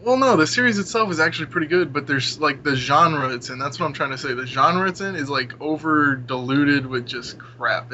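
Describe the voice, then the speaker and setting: A man's voice: mid-range voice, bright, forceful tone. A man talking casually as a podcast panelist, blunt and irreverent, with some swearing. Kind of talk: casual chat. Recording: dull lo-fi voice chat, noisy.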